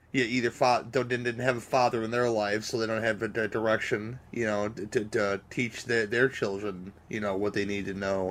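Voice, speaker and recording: A man speaks with an American accent at medium pitch. His pace is moderate and his intonation monotone and flat. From United States. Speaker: interviewer. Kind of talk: interview. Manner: halting, many repeated words.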